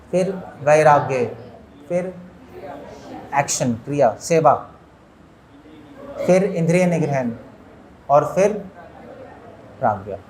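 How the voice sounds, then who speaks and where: Higher-voiced man giving a spiritual lecture. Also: a little mellow. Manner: asks listeners questions, mixes in English words. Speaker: monk lecturer.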